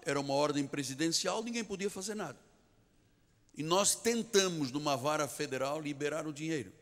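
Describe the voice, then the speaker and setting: A man's voice: medium pitch, a bit bright. Portuguese-accented pastor preaching, repeats his points hard, voice rings out in a big echoey church. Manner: emphatic, repeats key phrases, storytelling. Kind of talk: sermon. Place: large church sanctuary. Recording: long church reverb.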